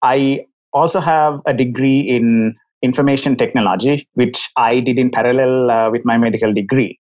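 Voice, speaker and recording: A man's voice: mid-range voice, steady tone, moderate pace, a little mellow, low-quality recording. A man in his thirties from Sri Lanka with a Sri Lankan accent, a doctor guest telling his story frankly and articulately over a video call. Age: 30s. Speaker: doctor and company CEO, guest. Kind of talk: casual interview.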